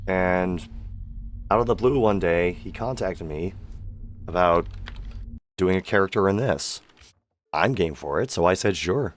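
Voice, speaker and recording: A man's voice: low-pitched, unhurried, pauses often, slight background noise. A man giving casual live-stream game commentary, his voice worn from sickness and hours of streaming. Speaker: streamer, amateur voice actor.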